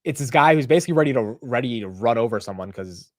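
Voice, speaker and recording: A man's voice: mid-range voice, fast talker. A young American man with a mid-range voice chats casually on a livestream. He rants in bursts and swears easily. He sounds close and dry, with no room echo. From United States. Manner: animated, ranting, profane and self-mocking. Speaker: livestream market show host.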